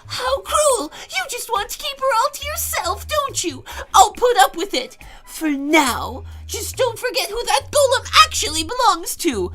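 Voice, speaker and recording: A woman's voice: extremely high pitch, very animated, unhurried, hardly any pauses, a bit bright, faint music behind, heavily acted. A woman voicing a haughty, candy-obsessed witch in a video game, boastful, whiny and theatrical. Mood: indignant.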